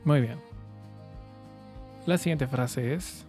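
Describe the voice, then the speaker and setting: A man teaching English pronunciation in a patient, clear way, saying model words slowly for learners to repeat. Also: mid-range voice, darkish tone, faint music behind. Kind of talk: shadowing lesson, repeat-after-me drills.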